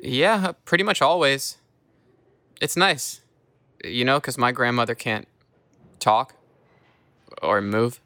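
A man's voice: mid-range voice, slow pace, long pauses, bright, forceful tone, no echo. An actor playing a shy young man who speaks in an awkward, mumbling way. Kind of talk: audio drama acting.

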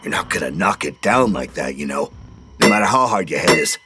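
A man voicing a bitter, boastful old male war veteran with a gruff, taunting voice. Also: sits low, lively intonation, a little fast, over loud music.

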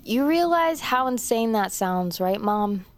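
A woman's voice: on the high side, animated, unhurried, no echo. An actress playing a sarcastic, disbelieving daughter confronting her mother. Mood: scornful. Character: scornful grown daughter arguing with her mother.

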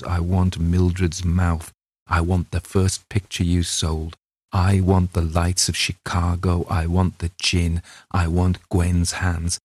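A man narrates as an alluring female predator in a storybook horror tale. The English-accented voice is low and close-sounding, with little swing in pitch. It is slow, hungry and insistent, like an incantation. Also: darkish tone, no room sound.

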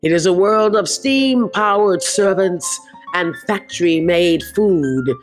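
A woman narrating a scripted trailer in a measured, storytelling manner. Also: on the low side, soft background music, low-quality recording.

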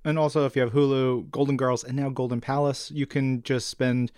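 A man's voice: medium pitch, flat delivery, fairly quick, darkish tone, smooth, no room sound, clean studio sound. A man co-hosting an entertainment podcast, chatting in an upbeat, playful way with emphatic hype. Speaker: podcast co-host. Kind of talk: upbeat co-hosted podcast chat about comics and entertainment.

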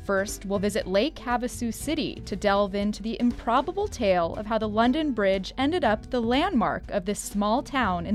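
A woman hosting a radio show, narrating a scripted feature in an upbeat, lively storytelling manner. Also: a little high. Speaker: radio host.

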